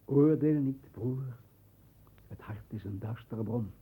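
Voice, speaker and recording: A man's voice: medium pitch, takes it slowly, slightly rough, narrow, tinny audio, full character voice. A man acting a broken, guilt-ridden, dreamy down-and-out brother in a 1960s radio play, subdued and brooding. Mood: remorseful, pleading. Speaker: actor in a radio drama.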